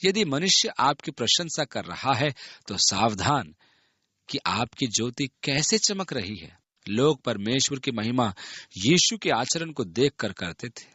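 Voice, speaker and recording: A man reading a Bible passage aloud and explaining it in an earnest, expressive manner. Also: medium pitch, unhurried, husky, no room sound. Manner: earnest, expressive reading that voices the people in the story. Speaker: Bible teacher.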